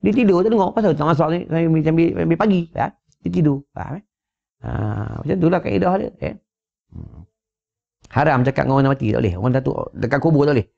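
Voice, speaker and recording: Man, Malaysian Malay accent, religious teacher, gravelly voice, jokey rhetorical lecture style, dull lo-fi recording. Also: a little high, expressive, quick pace, darkish tone. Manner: jokey, rhetorical, checks listeners with "ha? eh?". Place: private home gathering. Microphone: wireless lapel mic. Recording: dull lo-fi sound.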